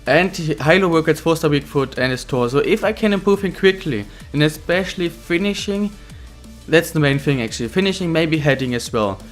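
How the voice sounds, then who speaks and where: A man's voice: on the high side, fairly quick. A young man, slightly ill with a weak voice, rambling through gaming commentary with fillers and restarts. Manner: rambling, many restarts and fillers, non-native phrasing. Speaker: gaming YouTuber. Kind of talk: casual career-mode commentary. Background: faint music.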